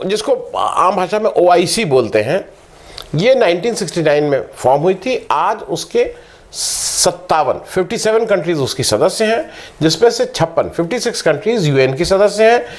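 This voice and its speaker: A middle-aged man giving a lecturing talk, reeling off statistics with fillers and restarts. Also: a little high. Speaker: political commentator. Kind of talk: explanatory talk to camera.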